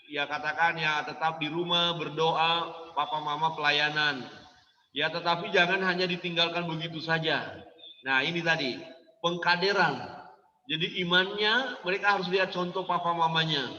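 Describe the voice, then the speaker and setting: A man preaches to church workers in an anecdotal, animated way, laughing as he goes. His voice is sharp and bright and rather high. It comes from far off in a reverberant church hall, with a dull, muffled sound. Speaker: pastor.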